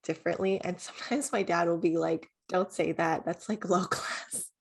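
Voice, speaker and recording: A young woman with a slightly low voice. Her was Vietnamese. She chats casually as a podcast co-host, candid and a bit profane, stressing her points with playful asides. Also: steady tone, normal speed, creaky, slightly rough. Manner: candid, swears freely, teasing emphatic asides. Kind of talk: casual chat.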